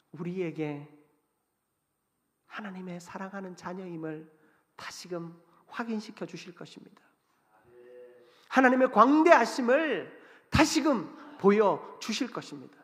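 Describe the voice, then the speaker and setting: A male pastor preaches in a church sanctuary, his voice carrying a long hall reverb. He swings between forceful, raised lines and soft, hushed ones. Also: high voice. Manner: dramatic swings between loud emphasis and hushed, near-whispered lines. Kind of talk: sermon.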